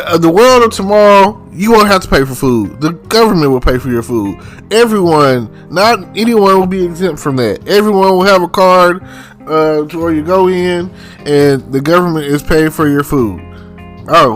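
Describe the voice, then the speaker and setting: A man with a slightly high voice rambles through a casual solo monologue. He laughs often and his voice climbs when he gets exasperated. Soft guitar music plays faintly behind him. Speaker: podcast host.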